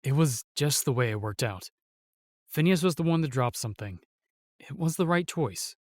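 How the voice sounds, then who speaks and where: A man's voice: mid-range voice, animated, normal speed, no echo, lightly acted. Earnest, gallant knight played by a man, dry sound. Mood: reassuring. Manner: formal, courteous, earnest. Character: gallant, protective male knight, earnest and reserved. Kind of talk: fantasy audio roleplay acting.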